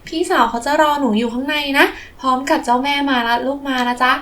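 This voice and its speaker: Woman as a high-voiced, welcoming stable owner. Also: steady tone, fast talker, fairly bright tone. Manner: sweet, reassuring. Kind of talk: children's toy play storytelling.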